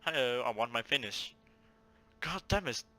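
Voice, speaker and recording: A man giving excited, expressive let's play commentary, full of exclamations. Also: medium pitch, normal speed. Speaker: let's player.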